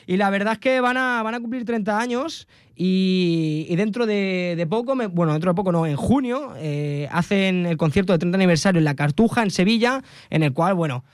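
A man with a Spanish accent chatting casually as a radio music host, excitable, often repeating himself and adding tag questions. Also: sits high, a little fast, clean tone, no room sound, studio quality.

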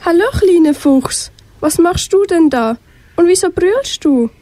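A teenage girl voicing an eager young swallow in a school radio play, calling out in an urgent, excited way. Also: extremely high pitch, a little slow, noisy background. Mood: gentle. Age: teens.

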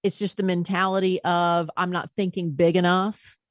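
A woman's voice: fairly low pitch, level tone, moderate pace, no echo, studio quality. A woman hosting a podcast, asking long questions with a few restarts. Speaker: podcast host. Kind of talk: interview questions.

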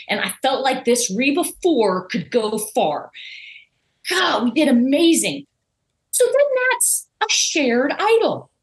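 A woman's voice: high-pitched, reverberant, rough recording. A woman, a former contestant recounting her game in a casual exit interview and acting out the dialogue. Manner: animated storyteller, acts out quoted dialogue. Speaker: eliminated contestant guest.

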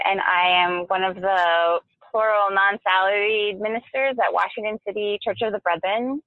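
A woman's voice: mid-range voice, dry recording. An American woman in her thirties casually introducing herself as a guest on a group call. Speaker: minister, panel guest. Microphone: remote call, dry. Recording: tinny phone-like call audio.

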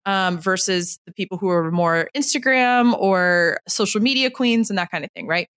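A woman's voice: medium pitch, expressive, moderate pace, fairly bright tone, clear, resonant tone, no room sound, studio quality. A woman co-hosting a casual chat about a TV show, explaining at length and often checking in with "right?". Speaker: podcast co-host.

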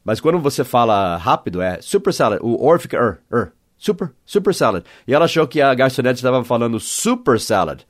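A man hosting a casual podcast lesson, explaining slowly and spelling words letter by letter. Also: medium pitch, very animated. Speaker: English teacher and podcast host.

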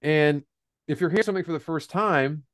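A man's voice: fairly high pitch, a little fast, fairly bright tone, no echo, studio quality. A man co-hosting a business talk show, rambling through stories and advice in a casual, conversational way. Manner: rambling, storytelling, often repeats a cohost's name. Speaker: business podcast co-host.

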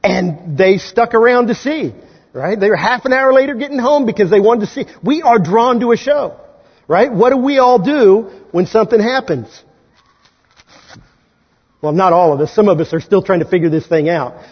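A man from Kansas preaching from the pulpit in a high, slightly husky voice. He keeps the sermon conversational and often tosses a "right?" out to the congregation. The sound carries the long reverb of a large sanctuary and the dull, lo-fi tone of a livestream. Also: lively intonation, moderate pace. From Kansas, USA. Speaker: pastor. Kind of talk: Easter sermon.

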